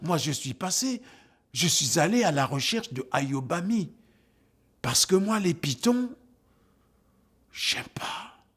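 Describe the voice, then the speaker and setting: Playful guy telling a folktale, voice a bit high, goes all over the place. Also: measured pace, slightly rough. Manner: playful, lively, repetitive storyteller's delivery. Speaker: storyteller. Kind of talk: animated oral storytelling.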